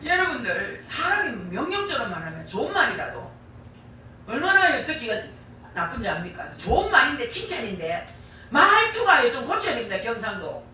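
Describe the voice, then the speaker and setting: Female preacher, middle-aged, Gyeongsang accent; bright, punchy delivery with homely humor; distant mic, very echoey sanctuary. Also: high voice, big pitch swings, moderate pace, slight background noise. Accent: Gyeongsang Korean. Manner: emphatic, repeats key phrases, folksy humorous asides. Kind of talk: sermon. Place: church sanctuary.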